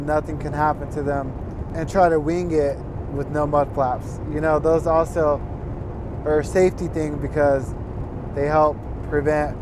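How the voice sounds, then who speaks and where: Earnest young trucker talking while driving. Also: male voice, a little high. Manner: earnest, repeats advice, addresses viewers as guys. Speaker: truck driver giving tips. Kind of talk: casual advice vlog. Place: inside a semi-truck cab while driving. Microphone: fixed dash camera. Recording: road noise in a moving truck cab. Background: road and engine noise.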